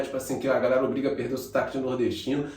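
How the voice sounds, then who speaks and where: A man's animated tone comes through audible room echo and noticeable background noise. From Rio de Janeiro, Brazil. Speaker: radio announcer and voice artist. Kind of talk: casual interview chat.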